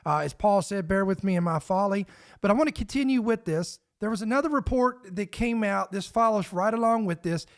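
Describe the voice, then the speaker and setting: Raspy man with a head cold. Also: sits high, brisk. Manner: chatty, self-correcting. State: getting over a head cold, sniffling. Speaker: podcast host. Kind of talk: casual commentary.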